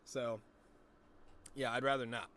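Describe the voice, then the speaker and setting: A man's voice: medium pitch, steady tone, measured pace, pushed and bright. A young man with a lisp and a stutter, chatting casually and rambling in a loose, jokey way with plenty of swearing as he talks to his viewers. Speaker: streamer. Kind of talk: casual stoner vlog chat.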